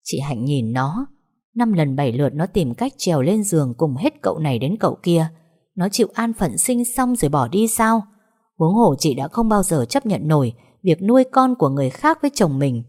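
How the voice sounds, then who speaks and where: A woman reads a dramatic story aloud in a lowish voice. Her narration is scripted and even, carrying the plot between the characters' lines.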